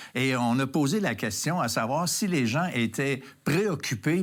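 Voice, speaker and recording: A man delivers his words fairly slowly, his intonation lively. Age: 60s. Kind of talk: casual discussion. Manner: hesitant, many fillers.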